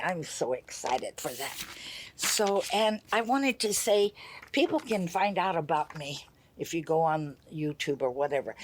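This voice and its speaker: An older woman hosting a small community show, chatty, upbeat and effusive. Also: lowish voice. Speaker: host.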